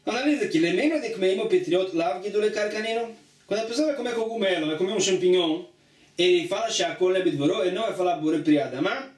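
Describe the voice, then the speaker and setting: A man's voice: high voice, animated, fast. A man teaching a religious study lesson, reading a passage aloud and then explaining it plainly, often repeating himself. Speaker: Talmud teacher. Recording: echoey room, distant mic.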